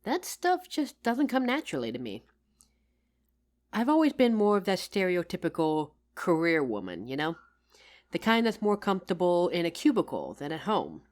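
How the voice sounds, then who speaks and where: A devoted working wife, acted out by a woman, speaks in a fairly low voice. Her delivery is tender and conversational, with a teasing edge, in the close, personal style of a scripted roleplay monologue for one listener. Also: huge pitch swings, moderate pace, a little mellow. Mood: tender, reflective. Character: loving, tired career-woman wife talking to her househusband.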